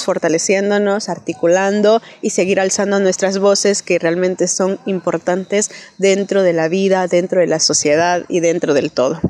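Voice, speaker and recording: Music plays behind a woman with a Guatemalan accent. She speaks at a moderate pace with a medium pitch. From Guatemala, Verapaces. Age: young. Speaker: peasant organization member. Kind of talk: interview.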